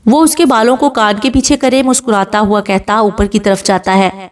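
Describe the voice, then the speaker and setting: A woman's voice: mid-range voice, fairly even intonation. Woman reading a novel aloud, a bit distant. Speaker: storyteller.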